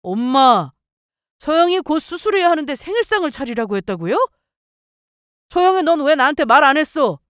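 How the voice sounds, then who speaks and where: A protective young husband, voiced by a woman narrator talks back to his mother in a firm, reproachful way. His tone is earnest and lively, with a fairly high, dry story-radio sound. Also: moderate pace, dry recording.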